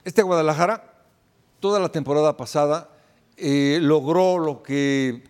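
A man's voice: a little high, unhurried, a little mellow, clear, resonant tone. A man arguing as a football pundit on a studio sports talk panel, emphatic and teasing.

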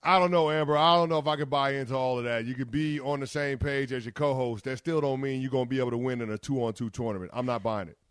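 A man in his thirties co-hosting a sports radio show, brash and playful with lively trash talk. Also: mid-range voice, fast, few pauses, clear, resonant tone, dry recording, studio quality. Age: 30s.

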